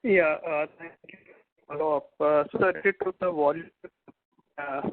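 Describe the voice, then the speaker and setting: A man asks halting questions on an earnings call while his audio keeps breaking up. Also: a little high, fairly even intonation. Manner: hesitant, halting, with many fillers. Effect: glitchy, choppy call audio that keeps breaking up. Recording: tinny phone line, breaking up.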